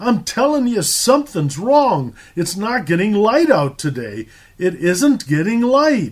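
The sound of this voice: Putting on a character voice, a man speaks fairly slowly at a high pitch, with very wide pitch swings.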